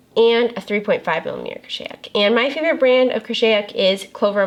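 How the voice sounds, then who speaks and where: Noticeable background noise sits behind a woman who speaks at a fairly quick pace with lively intonation. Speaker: crochet pattern designer. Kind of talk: tutorial. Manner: casual, frequent filler words.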